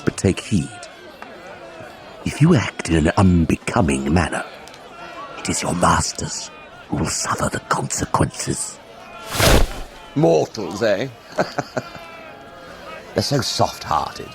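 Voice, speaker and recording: A gloating dark elf overlord speaks slowly and grandly, with big swoops of pitch. He is mocking and theatrical, over clear background noise in an audio drama. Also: sing-song, a faint crowd, heavily acted. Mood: haughty, threatening. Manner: mocking, grandiose, drawn-out delivery.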